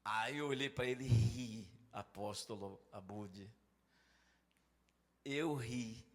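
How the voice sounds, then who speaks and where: A man's voice: medium pitch, slow, in a large hall. A middle-aged man, a pastor and councilman, telling a story with laughter and acted-out dialogue. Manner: animated, laughing storyteller who acts out dialogue.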